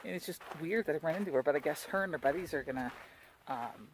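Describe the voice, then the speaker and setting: A woman's voice: low-pitched, fast talker, a little hiss or hum. A woman chatting casually to her camera as a vlogger, laughing often and poking fun at herself. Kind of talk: casual vlog chat. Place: on a mountain trail outdoors, later at home.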